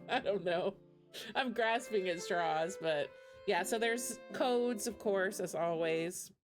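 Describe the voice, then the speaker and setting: A woman's voice: mid-range voice, slow, over music. A woman giving casual, effusive live commentary as a streamer, chatty and informal. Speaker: streamer reacting to a game showcase.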